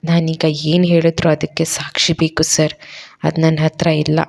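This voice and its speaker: A woman's voice: sits low, monotone, moderate pace, creaky, darkish tone. A woman doing a heartbroken, defiant heroine. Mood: determined. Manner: emotional, determined.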